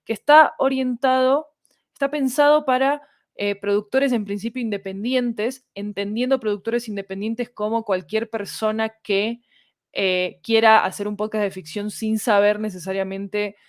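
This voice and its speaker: A woman with a Latin American Spanish accent explaining her work in an interview, animated and often checking that the listener follows. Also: mid-range voice, normal speed, no room sound, clean studio sound. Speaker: podcast fiction producer, interviewed guest.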